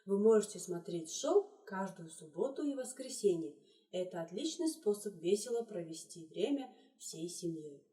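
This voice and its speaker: A woman teaching a children's English lesson, slowly repeating each word in three languages. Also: lowish voice, lively intonation, dark tone. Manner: slow, deliberate, repeats words in three languages. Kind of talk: trilingual video lesson for children. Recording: echoey room, voice distant from mic.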